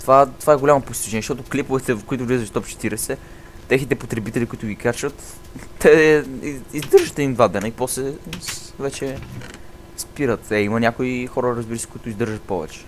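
Against noticeable background noise, a man with a medium pitch talks at a fairly quick pace, his intonation fairly even but his loudness swinging widely. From Bulgaria, Sofia. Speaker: gaming YouTuber. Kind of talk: gameplay commentary monologue. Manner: halting, repeats words.

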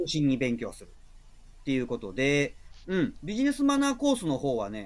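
The man's voice has very wide pitch swings. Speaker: Japanese language teacher. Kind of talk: demo language lesson.

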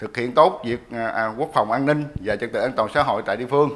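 Normal pitch movement marks a man's speech, delivered at a medium tempo. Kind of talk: interview answer. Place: office.

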